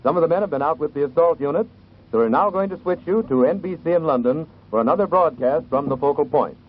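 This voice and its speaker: A man's voice: fairly high pitch, quick pace, husky, phone-quality sound. A man reading a formal news bulletin as a newsroom announcer, heard through an old 1940s radio broadcast. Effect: old 1940s radio broadcast sound.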